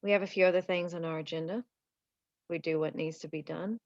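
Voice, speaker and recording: A woman's voice: deep voice, steady tone, fairly quick, no room sound, muffled recording. A woman playing a folksy, chatty married townswoman from a mining town in a screenplay table read. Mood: friendly.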